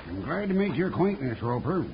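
Gravelly, surly Western outlaw. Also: male voice, on the high side, very animated, a little fast. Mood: surly, guarded. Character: surly, guarded male outlaw gunslinger. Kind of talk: 1950s Western radio drama acting. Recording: noisy, roomy, dull old radio recording.

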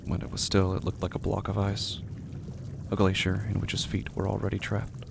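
A man narrating a horror audio drama in a brooding, measured, dramatic literary style with a gravelly voice. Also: deep voice, monotone. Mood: somber. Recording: loud background noise with crickets.

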